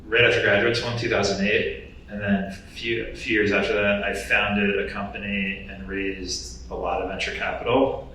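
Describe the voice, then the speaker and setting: A man speaking on a conference panel as a company founder, confident and brisk. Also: fairly low pitch, pushed and bright, slight background noise. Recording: echoey hall, distant mic.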